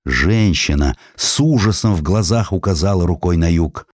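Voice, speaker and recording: Male audiobook narrator, very low register, expressive historical storytelling, close dry recording. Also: normal speed, no room sound.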